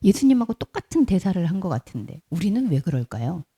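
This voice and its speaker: A woman's voice: fairly low pitch, quick pace, husky. A woman pastor giving a sermon, telling the story with animation and asking the congregation questions. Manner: animated storytelling, acts out quotes.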